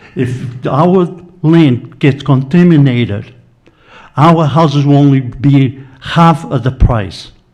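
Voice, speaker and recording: A man speaks very slowly with a non-native accent and a fairly high pitch. His voice is somewhat breathy, with ordinary pitch variation. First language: not English. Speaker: local resident speaking at public meeting. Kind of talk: public comment at town meeting. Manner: halting.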